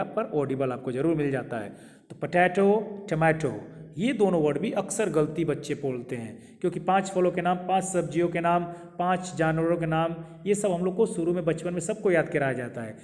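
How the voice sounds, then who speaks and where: Male English teacher, fairly high voice, drills words one by one, lingering reverb. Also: darkish tone. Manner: repeats words slowly, asks viewers questions. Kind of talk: pronunciation lesson to camera. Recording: long hall reverb.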